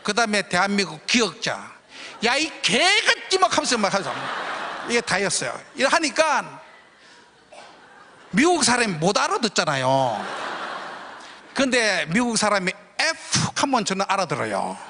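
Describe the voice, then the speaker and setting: Man, church testimony, gravelly voice, very expressive pitch, animated storytelling. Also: normal speed, pauses often, in a large hall, a little hiss or hum. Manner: animated, bursts into shouted quotes. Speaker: guest speaker giving a testimony.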